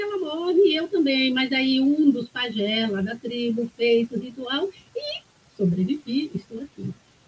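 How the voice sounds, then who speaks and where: Talking fairly slowly, a woman lets her pitch swing across a very wide range. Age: 60s. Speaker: holistic therapist and author. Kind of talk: live interview. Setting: live online stream.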